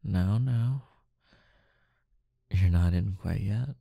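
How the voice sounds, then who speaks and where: Low, slow, gravelly mafia boss, acted by a man. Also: no room sound, clean studio sound, full character voice. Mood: amused, coaxing. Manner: slow, menacing, softly coaxing, with deliberate pauses. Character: intimidating, smooth-talking mafia boss, calm and teasing. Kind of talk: ASMR boyfriend roleplay.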